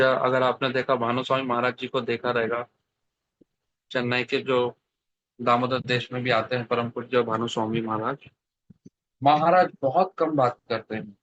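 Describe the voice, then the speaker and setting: A man's voice: medium pitch, fairly bright tone, dry recording. Man preaching over a dull, dry call line. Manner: storytelling, asks the audience questions. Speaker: scripture speaker. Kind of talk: devotional sermon in Hindi. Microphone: online video call. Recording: dry, slightly dull online call audio.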